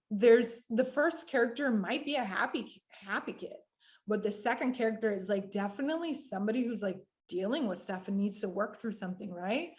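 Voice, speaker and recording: A woman coaches voice actors in an online workshop, speaking at an ordinary mid-range pitch for a woman. She talks in fast, animated bursts, often stops to rephrase, and keeps checking in with the people listening. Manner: animated, quick bursts with frequent fillers; addresses the audience directly and often. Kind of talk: virtual workshop teaching.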